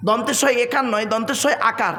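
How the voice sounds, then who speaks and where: A man's voice: very high voice, steady tone, brisk, sharp tone. A man preaching a sermon at a large religious gathering, quizzing the crowd with questions and laughing often in a playful, teasing way. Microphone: stage microphone. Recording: echoey open-air PA sound.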